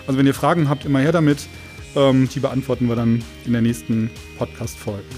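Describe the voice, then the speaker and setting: A man's voice: mid-range voice, little pitch movement, fairly quick, a little mellow, soft background music. A man co-hosting a podcast in a casual, chatty style. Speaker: podcast co-host.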